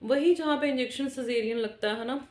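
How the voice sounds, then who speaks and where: A woman's voice: high-pitched, fairly quick, a little mellow. Chatty woman in an echoey room. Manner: chatty, rambling, laughs between sentences. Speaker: family vlogger. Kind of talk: casual vlog chat. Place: at home indoors.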